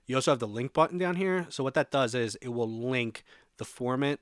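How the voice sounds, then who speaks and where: A man's voice: medium pitch, animated, a little fast, dry recording, clean studio sound. A man presenting a music production tutorial in an informal, conversational way, explaining things step by step.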